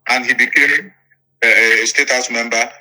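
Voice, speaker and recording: In a low-quality recording, a man with a Nigerian accent, an interviewee and politician, tells his story in an interview. His mid-range voice is bright and forceful, with fairly even intonation at normal speed, and he speaks emphatically, repeating phrases and checking that his listener is following.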